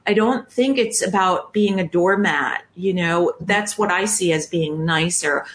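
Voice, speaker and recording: A woman's voice: lowish voice, a little slow. An American woman in her fifties hosting an interview, talking in a chatty, personal way and laughing often. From United States. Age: 50s. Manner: warm chatty, laughs often, talks about herself. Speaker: podcast host. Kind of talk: casual interview chat.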